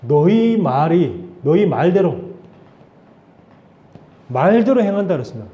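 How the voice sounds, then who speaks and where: A man preaching a Sunday sermon in church, conversational and animated, asking the congregation questions. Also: fairly high pitch, unhurried, highs cut off. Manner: animated, acts out quoted voices of God and Moses. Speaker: pastor. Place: church sanctuary.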